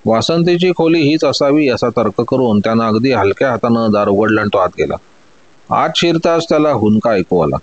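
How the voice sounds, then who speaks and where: A man narrating a story in a steady, measured scripted delivery. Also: mid-range voice.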